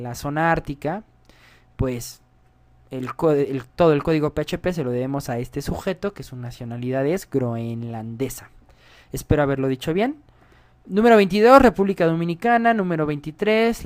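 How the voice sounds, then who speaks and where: Man teaching code. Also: a little high. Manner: explanatory, often checks in with the viewers. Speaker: programming instructor. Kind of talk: screencast coding tutorial.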